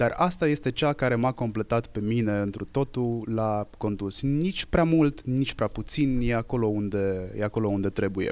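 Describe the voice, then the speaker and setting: The man has an unremarkable speaking voice at a medium pitch with ordinary pitch variation. He keeps a moderate pace with hardly any pauses. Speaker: podcast host. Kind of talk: casual interview. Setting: outdoors on a terrace.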